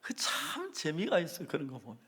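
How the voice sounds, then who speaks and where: A middle-aged man preaching a sermon as a pastor, speaking. His voice sits high and moves a lot, rising and falling as he tells stories. He acts out the dialogue in them and breaks into sudden loud bursts. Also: huge pitch swings, fairly quick, husky.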